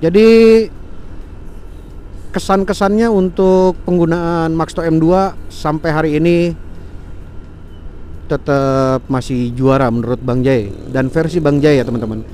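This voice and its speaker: On his motorbike out in traffic, a motorcycle vlogger talks about gear in a chatty way, calling himself by the third person. His dark-toned voice is on the high side and a little slow, with long pauses, captured by a helmet intercom mic over faint road and traffic noise.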